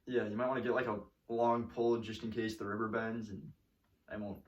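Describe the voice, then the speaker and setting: Deadpan young man, echoey and distant. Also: on the low side, brisk, highs cut off. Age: young adult. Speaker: podcast co-host. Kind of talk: casual chat. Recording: echoey room, mic at a distance.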